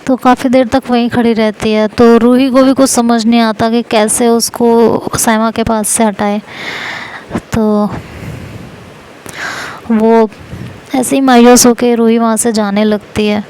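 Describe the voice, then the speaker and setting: A woman's voice: a little high, flat delivery, unhurried, a little mellow, smooth, low-quality recording. A woman casually narrating a romance story in an easygoing, repetitive way. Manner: casual, repeated phrases.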